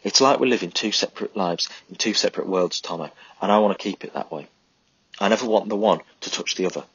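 A man's voice: sits low, quick pace, a bit bright, slightly rough, no echo, full character voice. A man voicing a cheerful, teasing young soldier who is the narrator's big brother, in a storybook reading. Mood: quiet, earnest. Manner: chirpy, teasing. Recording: dull lo-fi recording.

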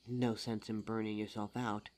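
A performer voicing a suave, teasing demon lover in an intimate ASMR roleplay audio drama, smooth-talking and formal in address. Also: medium pitch, level tone, normal speed, a little mellow, close to an everyday voice. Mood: teasing, smug.

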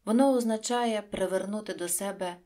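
A woman voicing a calm, wise talking fox who explains things patiently and steadily. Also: medium pitch, moderate pace, close to an everyday voice.

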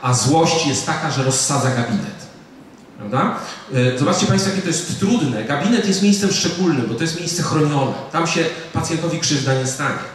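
A middle-aged man gives a public lecture in a museum hall, talking conversationally and checking in with his listeners. His voice sits a little high for a man. He is picked up from some distance, with a strong echo off the room. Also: animated, moderate pace. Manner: conversational, with fillers and rhetorical "prawda?". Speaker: psychiatrist giving a public lecture. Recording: echoey hall, speaker far from the mic.

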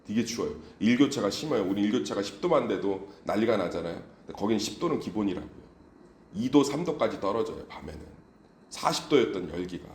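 Animated male pastor preaching, echoey hall. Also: fairly low pitch, fast, slight background noise. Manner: animated, exhorting congregation. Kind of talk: sermon.

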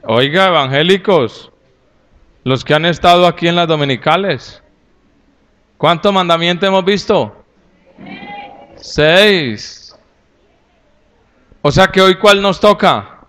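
Pastor colombiano de voz nítida y algo aguda. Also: male voice, on the high side, slow pace, long pauses. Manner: folksy and humorous, with lively asides to the audience. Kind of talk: sermon to a congregation.

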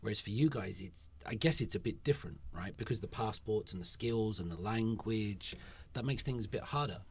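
A male host with a fairly low, husky voice leads a relaxed conversation. He is chatty and curious and keeps asking follow-up questions. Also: a little fast. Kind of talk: casual interview discussion.

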